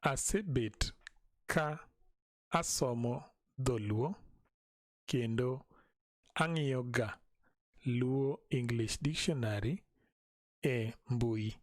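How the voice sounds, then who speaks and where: A man teaching a language in a live stream, patiently repeating each phrase slowly for learners. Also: mid-range voice, no room sound.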